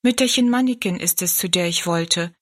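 A woman's voice: lowish voice, moderate pace, close to an everyday voice. A woman voicing an earnest, polite young girl in a storybook, speaking eagerly. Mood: polite, pleading. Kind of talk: storybook narration.

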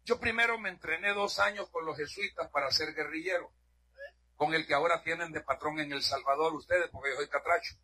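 A middle-aged man from Honduras preaching a sermon in a church. He is fervent, shouts at his peaks and drops to hushed asides. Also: on the high side, brisk, slightly rough. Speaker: pastor.

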